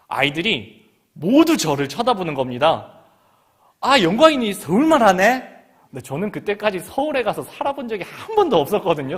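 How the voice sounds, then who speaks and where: A man's voice: fairly high pitch, breathy edge. A middle-aged man from Gangwon Province in Korea preaching a sermon, reading scripture and then talking to the congregation in a chatty way, with questions for them. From Gangwon Province, South Korea. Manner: reads scripture then talks conversationally, asking the congregation questions. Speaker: pastor.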